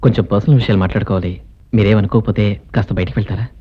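A man's voice: on the low side, steady tone, very fast, close to an everyday voice. An actor playing an earnest, principled young man. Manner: earnest, sincere. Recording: dull film soundtrack with music.

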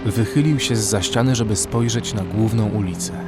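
A man's voice: fairly low pitch, moderate pace. A man narrating a horror story in the first person, scripted and dramatic. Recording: music behind the voice.

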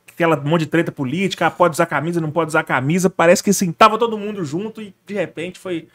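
A man from Brazil co-hosting a casual podcast, chatting in a relaxed, slangy way with jokey interjections. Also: a little high, fast.

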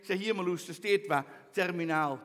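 A man's voice: sits high, in a large hall, background noise. A man with a Twents accent doing chatty, teasing stand-up comedy, hosting a quiz from a theater stage. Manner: chatty, teasing, quick asides.

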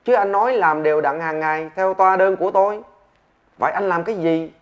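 Guy putting on a cranky doctor voice, pitched up, snapping at a patient. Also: natural voice. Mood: exasperated. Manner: brisk, exasperated scolding. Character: stern male doctor, quick to anger.

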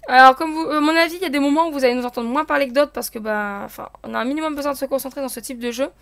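A woman's voice: high voice, rapid-fire, a bit bright, no echo. A young woman giving casual commentary while playing an online game, chatty and explaining things to her viewers. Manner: chatty, explains rules to viewers with many fillers. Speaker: gaming channel host.

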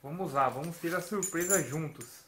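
Chatty Brazilian man, slightly high voice. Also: normal speed, a bit bright, reverberant, slight background noise. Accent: Brazilian Portuguese. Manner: chatty, storytelling with many tag questions. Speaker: retro gaming vlogger. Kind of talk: casual chat to camera. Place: home room with shelves of games and toys.

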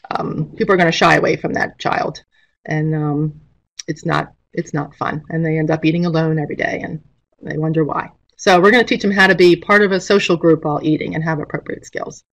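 A middle-aged woman giving an informal instructional presentation as a teacher, speaking over a video call. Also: fairly low pitch. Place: indoor room, on a webcam video call.

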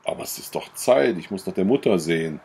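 A man's voice: low-pitched, lively intonation, fairly quick, gravelly, a little mellow, breathy edge, exaggerated voice. A man voicing a proud, moody young village woman in a storybook reading, with eager questions.

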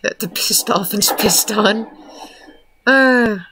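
Bright-voiced blunt woman streamer. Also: fairly high pitch, very slow, a little hiss or hum. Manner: blunt, profane, laughs often. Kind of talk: casual chat while gaming.

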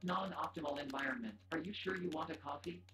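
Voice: mid-range voice, a little fast, vocal fry, sharp tone, soft background music. A performer voicing a polite, matter-of-fact smart-home assistant making system announcements in a video game.

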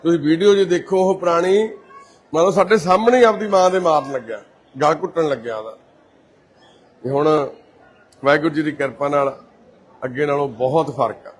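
A man from Punjab, India, the volunteer host of a care society, walking through a care centre and gently reassuring patients and their families. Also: fairly high pitch, moderate pace, pauses often. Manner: gentle and reassuring, calls people mother and brother. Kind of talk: casual on-camera walkthrough talk.

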